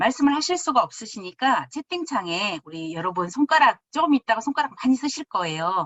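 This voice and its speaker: A woman's high-pitched voice moves in very wide pitch swings. She talks at a fairly quick pace with hardly any pauses. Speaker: lecturer, educator. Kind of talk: online lecture. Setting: online live lecture. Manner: fast-speaking.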